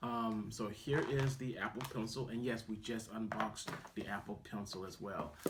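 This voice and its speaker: Audible room echo around a man's voice of medium pitch. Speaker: tech YouTuber doing unboxings. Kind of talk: casual unboxing video. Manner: casual, hesitant with many fillers.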